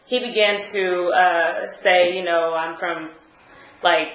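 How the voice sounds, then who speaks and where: A woman's voice: fairly low pitch, steady tone, takes it slowly, fairly bright tone, roomy sound, rough recording. A woman giving hesitant courtroom testimony, full of fillers and restarts. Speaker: trial witness.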